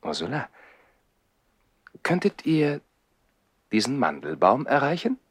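An actor playing an ardent, playful young baron in a 1960s radio play, eager and courtly, with a husky voice. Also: male voice, medium pitch, wildly swooping pitch, slow, no echo, exaggerated voice. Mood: tender.

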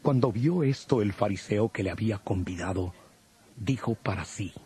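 Male scripture narrator, low and very husky, solemn storytelling delivery. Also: moderate pace, warm tone. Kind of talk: scripted narration of a dramatized audio Bible.

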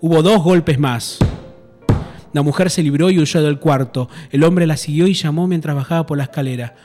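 A man's voice: fairly high pitch, over music. Man reading a horror tale with suspense. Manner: measured, suspenseful delivery. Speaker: radio host and narrator. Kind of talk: dramatic reading of a horror story.

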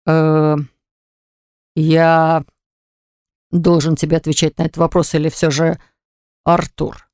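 A woman's voice: low-pitched, little pitch movement, takes it slowly, pauses often, darkish tone, clear, resonant tone, no echo, clean studio sound. Woman voicing a curt businesslike son. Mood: evasive.

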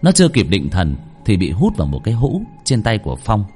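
A man narrating a horror story in a dramatic, animated way. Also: fairly low pitch, a little fast, faint music behind.

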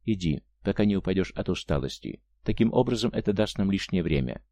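A man voicing a weary but resolute young woman who speaks weakly and in hushed tones, as an audiobook character. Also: low voice, expressive, fairly quick, dry recording. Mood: weary resolve. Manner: weak, hushed speech.

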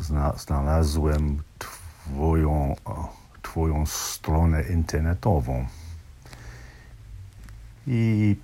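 An older man with a very low, husky voice speaks Polish with a marked English accent. He goes extremely slowly, feeling for words and often restarting them, as a learner recording a personal message. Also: mellow. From southern England. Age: 60s or older. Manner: halting, hesitant, with broken-off words and repeats.

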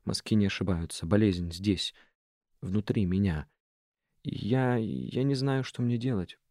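A man reading an audiobook, playing a sick young man who speaks in a halting, stammering, subdued way. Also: on the low side, darkish tone, dry recording, studio quality. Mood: anguished.

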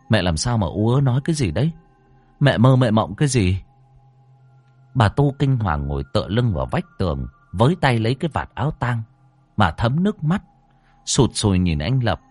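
A man narrating a ghost story in a dramatic, expressive way. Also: lowish voice, breathy edge, dry recording.

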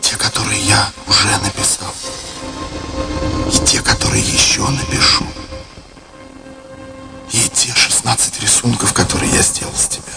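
Impassioned romantic painter over music. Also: male voice, lowish voice, level tone, normal speed, gravelly, long pauses. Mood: hushed, dreamy. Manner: impassioned, theatrical delivery. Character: exuberant romantic male painter, dreamy and theatrical. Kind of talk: radio drama acting.

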